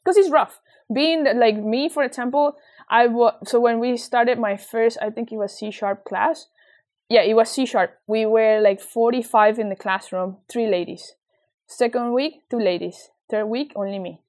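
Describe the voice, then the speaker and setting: A woman's voice: fairly high pitch, moderate pace, darkish tone. Earnest woman with a Venezuelan accent. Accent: Venezuelan Spanish. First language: Spanish. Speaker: interview guest, tech nonprofit leader. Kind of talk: conversational interview answers with anecdotes.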